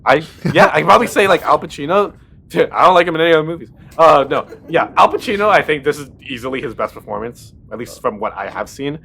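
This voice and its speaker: A man's voice: a little high, expressive, fast, gravelly, fairly bright tone, breathy edge. Meandering male podcast co-host. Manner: meandering, many likes and ums. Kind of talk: casual movie chat.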